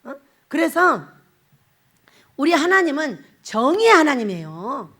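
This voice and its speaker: A middle-aged woman pastor preaching a sermon in an animated way, laughing often and putting questions to the congregation. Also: high-pitched, unhurried.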